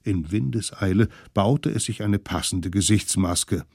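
A man narrating a children's story in a slow, expressive way. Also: lowish voice, creaky, breathy edge, dry recording, studio quality.

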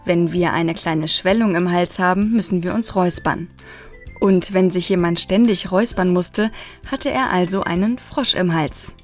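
A woman giving calm scripted narration for a children's knowledge show. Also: on the low side, normal speed, faint music behind.

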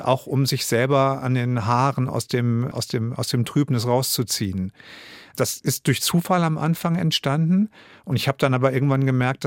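A man's voice: mid-range voice, no echo, clean studio sound. A man in his fifties, an author and radio drama director, giving thoughtful interview answers and often restarting his sentences as he searches for words. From Germany.

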